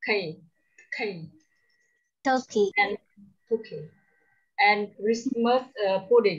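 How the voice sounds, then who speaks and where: A woman with a Vietnamese accent speaks at a fairly high pitch, somewhat breathy, with big swings in loudness. She leaves long, frequent pauses against a quiet background. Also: ordinary pitch variation, fairly slow pace. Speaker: English learner. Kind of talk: language class practice. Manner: halting. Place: home room. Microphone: video call.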